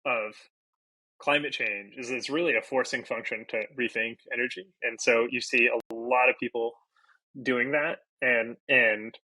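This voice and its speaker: Bright-voiced man thinking aloud. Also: mid-range voice, steady tone, measured pace, no echo, poor audio. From Brazil. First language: Portuguese. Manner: thinks aloud with many fillers and restarts. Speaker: guest. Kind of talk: casual interview talk.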